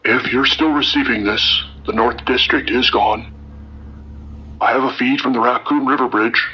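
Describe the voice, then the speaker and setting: An actor playing a shaken emergency broadcaster, grave and measured over the radio in a radio drama. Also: male voice, mid-range voice, steady tone, dull audio, slight background noise. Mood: grim, shaken.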